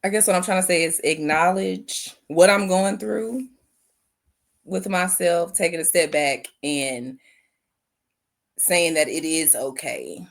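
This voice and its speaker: A woman's voice: low voice, vocal fry. A young adult woman, a veteran and business owner, giving thoughtful interview answers and often repeating her phrases.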